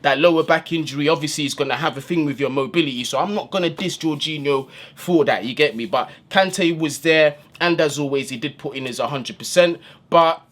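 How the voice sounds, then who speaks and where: A man's voice: a little high, brisk, a bit bright. A man giving a casual, slang-filled post-match breakdown as a football fan channel host, recorded indoors in a room. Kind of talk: post-match analysis monologue.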